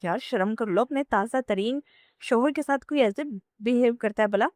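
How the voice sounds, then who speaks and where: A woman's voice: on the high side, darkish tone, no room sound, studio quality, close to an everyday voice. A woman voicing a playful, mischievous young husband in a storybook romance, with a joking, teasing delivery.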